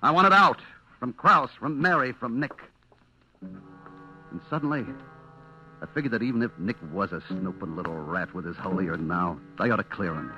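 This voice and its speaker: A man's voice: low-pitched, expressive, moderate pace, pauses often, muffled recording. An actor playing a nervous, cornered man who tells his own story in clipped, confessional old-time radio suspense style. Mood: tense, confessional. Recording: vintage radio recording with music behind.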